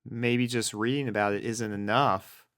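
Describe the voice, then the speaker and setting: A man playing a caring, patient, steady young man in dialogue from a fan fiction audio drama. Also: on the low side, normal speed, no room sound, studio quality, close to an everyday voice. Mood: reassuring.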